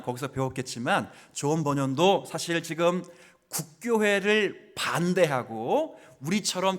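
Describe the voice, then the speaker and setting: A male pastor preaches in a church with a high, very animated voice. He questions his congregation directly and moves between forceful declarations and near-whispers. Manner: swings from loud exclamations to near-whispers, asks the congregation questions. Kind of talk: sermon. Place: church sanctuary.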